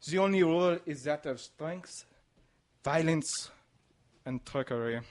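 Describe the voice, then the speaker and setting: An actor playing a courteous, grave Foreign Legion colonel in a mystery drama, formal and deliberate, with a French accent. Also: male voice, fairly high pitch, lightly acted. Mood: grave, warning. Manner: deliberate, formal, halting on some words. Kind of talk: radio-style mystery drama acting.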